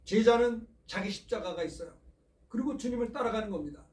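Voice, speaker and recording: A man's voice: sits high, expressive, fairly quick, a little mellow, roomy sound, recorded from a distance. A male pastor from Seoul preaching a Sunday sermon, asking the congregation questions as he goes. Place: church sanctuary.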